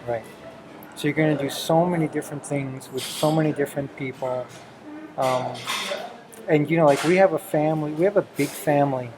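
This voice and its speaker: A man's voice: a little high, brisk, noisy background. A middle-aged man chatting casually and encouragingly with his teenage child as the host of a home video. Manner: encouraging, affirms often with "right" and "exactly".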